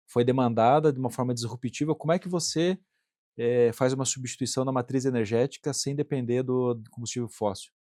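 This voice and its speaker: A man's voice: medium pitch, warm tone, no room sound. Earnest Brazilian man, dry close sound. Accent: Brazilian Portuguese. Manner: earnest, frequent "né" tag questions, repeats words. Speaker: industrial plant manager, guest. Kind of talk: conversational interview answers.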